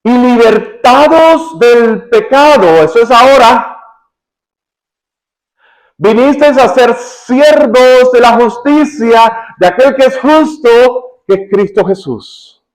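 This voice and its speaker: High-voiced Cuban pastor preaching. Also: male voice, slow, rough recording. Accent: Cuban Spanish. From Cuba. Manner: rising to emphatic, louder questions. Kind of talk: sermon.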